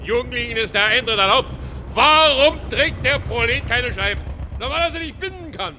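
An actor playing a brash, wisecracking street hawker, declaiming a sales patter in a radio drama. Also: male voice, very high voice, lively intonation, normal speed, sharp tone, exaggerated voice. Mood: loud salesmanship. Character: brash, wisecracking Berlin street hawker selling cheap wares. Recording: long reverb, faint street traffic noise.

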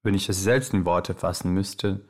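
A man's voice: low-pitched, fairly even intonation, normal speed. A man playing a Serbian radio host in a radio play, proclaiming slogans as a passionate turbo-folk evangelist. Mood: earnest, declarative. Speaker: radio show presenter. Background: music behind the voice.

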